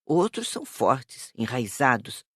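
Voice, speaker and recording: A woman playing a calm, serious spirit teacher in an audiobook, speaking in a measured, didactic way. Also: a bass voice, breathy edge, dry recording, studio quality, full character voice. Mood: reassuring. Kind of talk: audiobook dialogue.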